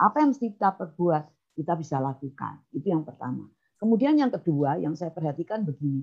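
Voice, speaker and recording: At a very fast pace, a woman with a fairly low pitch speaks somewhat breathily, her intonation lively. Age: 60s. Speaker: participant, mother. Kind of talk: online discussion.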